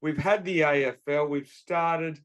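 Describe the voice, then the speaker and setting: A man's voice: a little high, steady tone, a little slow. An Australian man co-hosting a sports podcast, running through scores with enthusiastic, colourful phrasing. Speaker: podcast co-host. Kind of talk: casual sports chat.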